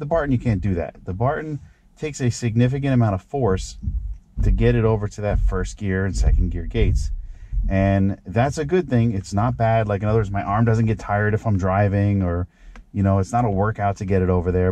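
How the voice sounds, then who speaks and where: Over light background noise and in a dry sound with no echo, a man with an unremarkable speaking voice talks at a fairly quick pace in a fairly low pitch with lively intonation. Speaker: car owner reviewing part. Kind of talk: product review talk. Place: car. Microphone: phone near.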